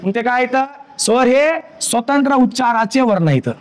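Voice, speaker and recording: A man's voice: very high voice, moderate pace. A man teaching a grammar lesson for exam preparation, repeating points and often checking that students understand. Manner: repetitive, checks understanding with frequent questions.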